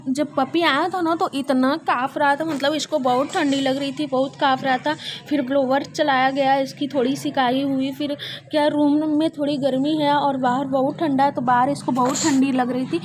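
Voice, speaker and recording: A woman's voice: sits high, level tone, moderate pace, slight background noise. A young woman chatting casually through a family vlog at home, explaining at length with lots of fillers. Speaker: family vlogger and mother. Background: music and prayer sounds nearby.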